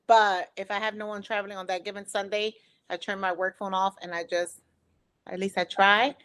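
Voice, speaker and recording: A woman's voice: medium pitch, flat delivery, brisk, a bit bright. A woman from Philadelphia in her thirties, co-hosting a casual chat, earnest and explaining things at length. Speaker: co-host, travel agent.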